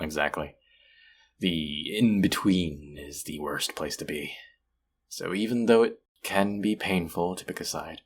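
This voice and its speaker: A man acting a friendly, sympathetic young man in an intimate, conversational audio roleplay, speaking gently and at times hesitantly. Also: slight background noise, heavily acted. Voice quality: low, gravelly, husky.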